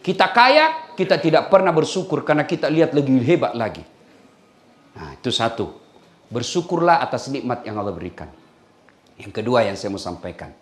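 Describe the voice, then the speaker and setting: A male preacher delivers a humorous sermon, his pitch bounding up and down as he spins stories and teases the mothers listening. Laughter runs through his talk. The sound has a roomy, echoing ring. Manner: lively storytelling with laughs and teasing asides to the women. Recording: echoey room sound.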